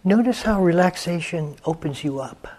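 A man in his seventies leading a guided meditation, gentle and unhurried, with long pauses between phrases. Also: fairly high pitch, lively intonation. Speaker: meditation teacher.

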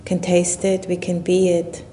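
A woman guides a meditation in a lowish, very level voice. Her phrases come slowly and haltingly, with long gaps between them. A faint rumble of background noise sits under the recording. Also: completely flat delivery, mellow. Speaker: Buddhist nun leading meditation. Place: retreat session at a monastery or retreat center.

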